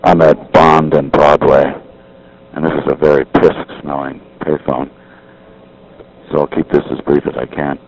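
A man's voice: a bass voice, little pitch movement, a little slow, creaky, a little hiss or hum, rough recording. A middle-aged man talking over a payphone line from a city street, musing and rambling, often correcting himself. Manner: musing, digressive, self-correcting. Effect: heard over a payphone line. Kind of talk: rambling monologue on a phone line.

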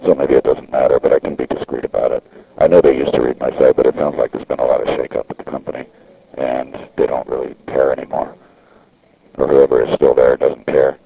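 A man's voice: a bass voice, flat delivery, vocal fry, slightly rough, narrow, tinny audio. A man on a street payphone, rambling in a casual monologue and restarting his sentences often, heard through a payphone line. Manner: halting, with frequent restarts. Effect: talking over a payphone line. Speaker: caller recording a phone message.

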